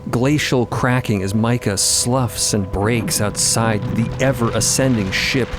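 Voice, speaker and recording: A man's voice: mid-range voice, unhurried, over music. A man narrating a fiction podcast in the present tense, vividly descriptive with conversational asides.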